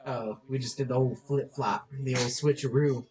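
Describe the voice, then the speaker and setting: A man's voice: mid-range voice, steady tone, moderate pace, a little mellow. A young man hosting a casual podcast chat, laid-back, filling his talk with "like" and "dude". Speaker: podcast host. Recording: echoey playback in the audio.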